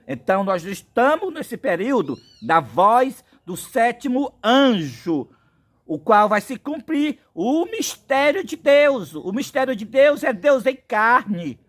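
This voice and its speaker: A man's voice: very high-pitched, very animated, takes it slowly. A man from Brazil preaching a prophetic sermon, insistent and packed with biblical references.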